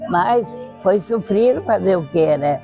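Old southern brazilian lady, italian native speaker, bright creaky voice, telling memories. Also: mid-range voice, expressive, slow pace, soft background music. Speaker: interviewee. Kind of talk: reminiscing in an unscripted interview. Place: outdoor terrace. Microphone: clip-on lapel mic.

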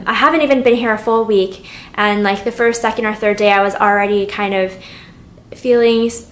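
A woman's voice: fairly high pitch, reverberant. A young woman chatting candidly while doing her makeup at home, rambling and open about her feelings. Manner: rambling and candid, getting emotional at times. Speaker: beauty vlogger. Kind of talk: chatty get-ready-with-me vlog.

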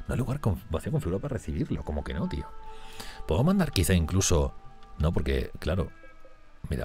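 Gaming host, Spanish man from Spain, rumbling low and quick, chatty and lively as he thinks aloud. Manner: chatty, thinks aloud and talks to his game characters. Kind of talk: let's-play commentary.

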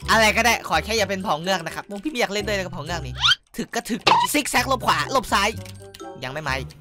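A young man giving excitable, loud gameplay commentary, cursing and yelling at opponents, his throat sore from shouting. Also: high-pitched, quick pace. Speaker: gaming YouTuber. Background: game music.

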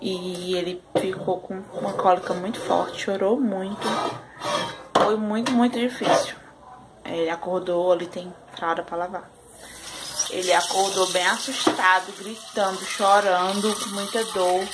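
A woman's voice: mid-range voice, fairly even intonation, measured pace, heavy background noise. A young Brazilian mother vlogging casually at home, tired after a sleepless night, talking in a chatty way full of sighs. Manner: chatty, sighing, with frequent "ai" and "né".

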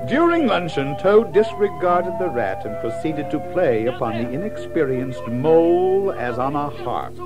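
A man narrating a children's story in an expressive, measured storytelling manner. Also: fairly high pitch, over loud music, poor audio. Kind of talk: scripted storybook narration in an audio drama.

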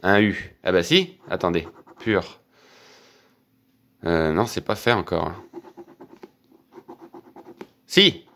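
A man, quietly commenting as he scratches lottery tickets for his channel. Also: sits low, slow pace, pauses often. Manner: quiet running commentary, excited when winning. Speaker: scratch-card vlogger.

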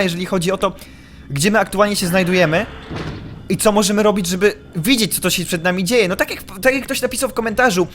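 A young man commenting on a horror game he is playing, excitable, yelping when startled and muttering while he sneaks. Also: sits high, a little hiss or hum. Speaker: gaming YouTuber.

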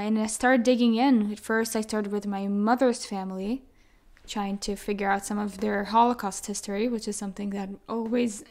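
A young woman in her twenties with an American accent, talking as a guest in a relaxed interview. Her voice sits at an ordinary middle pitch. She speaks earnestly, often doubling her words for emphasis. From Israel. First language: Hebrew. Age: 20s. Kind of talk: casual interview conversation.

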